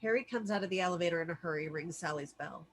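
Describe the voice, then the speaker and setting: A woman's voice: lowish voice, fast. A woman narrating the stage directions of a film script expressively at a virtual table read.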